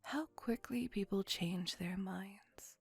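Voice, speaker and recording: A woman voicing a possessive, centuries-old female vampire in an ASMR roleplay, whispering softly with formal, old-fashioned phrasing. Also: medium pitch, takes it slowly, gravelly, slightly rough, no room sound, exaggerated voice. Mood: tender. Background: faint music.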